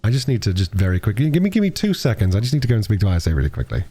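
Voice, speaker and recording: A man's voice: on the low side, big pitch swings, very fast, dark tone. A man reading a classic novel aloud expressively, as an audiobook narrator. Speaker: audiobook reader and livestreamer.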